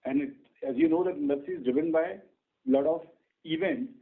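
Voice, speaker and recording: Indian man with a high, swooping voice. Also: huge pitch swings, vocal fry. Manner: halting, repetitive, says "you know" often. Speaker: bank executive. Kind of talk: earnings call answers. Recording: muffled band-limited conference phone line.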